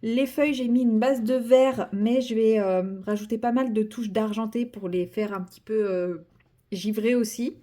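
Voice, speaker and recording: A young woman, a coloring vlogger, chats casually while working on her coloring project, her voice on the high side and warm, at a moderate pace. She rambles with plenty of fillers and restarts, poking fun at herself along the way.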